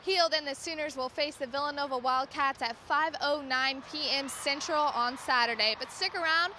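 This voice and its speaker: Young female reporter, high bright voice, crisp scripted read, faint hiss. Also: normal speed. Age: young adult. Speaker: field reporter. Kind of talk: news report.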